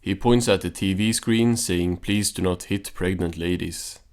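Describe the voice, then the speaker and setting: Male recap narrator, low register, casual and understated, dry commentary delivery. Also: a little slow, darkish tone. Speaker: video reviewer and narrator.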